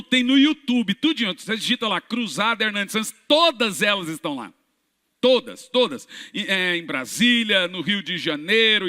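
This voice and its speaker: A pastor tells healing testimonies in sermon style, acting out every exchange. His voice sits high and bounces all over, bright and cutting. The sound carries a long reverb from a large church hall. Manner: dramatic storyteller who acts out dialogue, swings from hushed to shouting.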